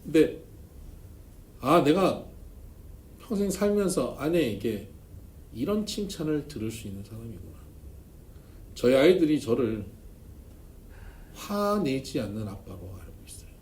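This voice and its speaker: A male pastor preaches at a seminar, his pitch swinging freely as he tells humorous stories. His tone is dark and mellow. The church room echoes, with a faint hiss underneath. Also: very animated, a little slow, pauses often. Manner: storytelling with humor, emphatic swings in loudness. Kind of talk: seminar sermon.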